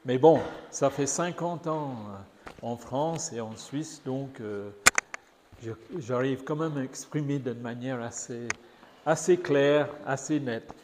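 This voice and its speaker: An older man with an English accent, a guest preacher telling a gentle story to children in church. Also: mid-range voice. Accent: English-speaking. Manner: gentle, slow and lively storytelling. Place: church hall. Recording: church hall reverb, faint noise.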